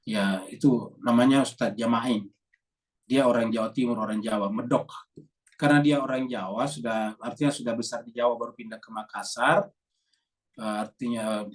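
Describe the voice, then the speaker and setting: A man, an Islamic teacher, giving a religious lecture to a congregation and explaining things patiently, often repeating key words and adding a drawn-out "ya". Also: medium pitch, far from the mic.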